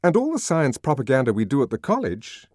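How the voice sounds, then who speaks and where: A man's voice: huge pitch swings, fairly quick, a little mellow, no echo, studio quality. A man voicing a hysterical young man who begs and sobs in frantic panic. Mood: eager. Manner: shrill, sobbing, frantic begging.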